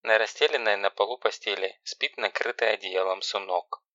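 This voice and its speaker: A man's voice: lowish voice, normal speed, sharp tone, dry recording. A man narrating a play-style story, reading the stage directions plainly and evenly. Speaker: audiobook narrator. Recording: dull lo-fi recording.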